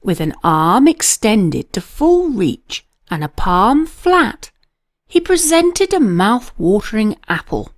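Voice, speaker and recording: A woman narrating a children's story in a dramatic read-aloud style with emphatic pauses. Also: mid-range voice, sing-song, no room sound, studio quality.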